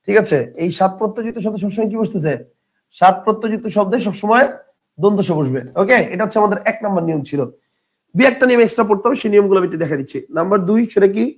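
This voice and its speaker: A young man teaching an online grammar lesson, repeating words slowly and answering his own questions. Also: high-pitched.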